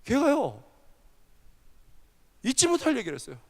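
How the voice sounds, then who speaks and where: A male pastor preaching a sermon, telling a story with animated energy and asking the audience questions. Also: extremely high pitch, moderate pace, vocal fry. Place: large church hall. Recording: long hall reverb.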